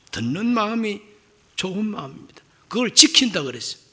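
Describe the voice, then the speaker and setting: Lively intonation from a man at a moderate pace, over noticeable background noise. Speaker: pastor. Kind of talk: sermon.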